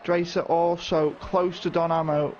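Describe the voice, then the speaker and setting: A man's voice: on the high side, level tone, a little slow, darkish tone, highs cut off. A man calling a live online race as lead commentator, exclaiming at the action. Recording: noisy stream audio.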